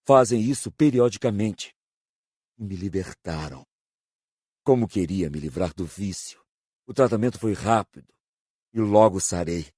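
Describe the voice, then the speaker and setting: Audiobook role: male actor as repentant ex-addict spirit, deep and mellow, earnest sorrowful confession. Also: expressive, a little slow, pauses often, breathy edge, no echo, clean studio sound. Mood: sober, pained. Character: young male former addict spirit, remorseful, once idle. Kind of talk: dramatized audiobook dialogue.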